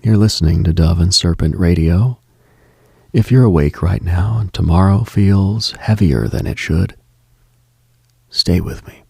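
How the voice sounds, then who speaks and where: Gravelly whispering late-night male host. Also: a little mellow, dry recording, clean studio sound. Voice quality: gravelly low voice, often dropping to a whisper. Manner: measured, contemplative, lists in short phrases. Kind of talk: slow reflective late-night monologue.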